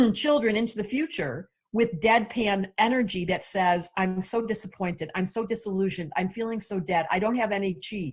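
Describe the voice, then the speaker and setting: A woman speaks at a moderate pace. Her voice is fairly high and somewhat breathy. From New York. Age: 60s. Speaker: astrologer. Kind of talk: radio interview conversation. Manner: animated, passionate.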